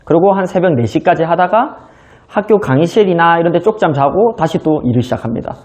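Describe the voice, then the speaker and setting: A man's voice: a little high, lively intonation, fairly quick, a little mellow. A man in his thirties giving a motivational business lecture, telling his own story in a conversational way. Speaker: business seminar speaker.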